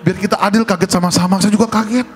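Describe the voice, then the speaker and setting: A man's voice: sits high, very fast, over loud music. A man preaching and telling a funny story, playing out the dialogue of the people in it. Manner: lively, jokes and acts out dialogue. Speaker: preacher giving a testimony. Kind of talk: humorous sermon storytelling.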